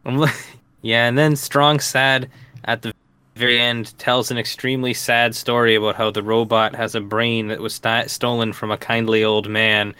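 A man co-hosting a relaxed podcast conversation, chatty and laughing easily. His voice is bright and smooth, with a clear, ringing tone. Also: medium pitch, normal speed, no echo. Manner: chatty, laughs often, many fillers. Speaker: podcast co-host. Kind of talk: casual podcast chat.

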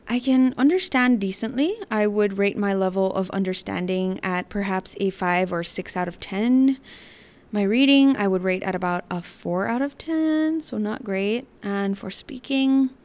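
A woman in her thirties from the Northern Mariana Islands with a light Chamorro accent, hosting a podcast and reading personal narration in a measured, articulate, reflective way. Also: medium pitch, darkish tone. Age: 30s. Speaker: podcast host.

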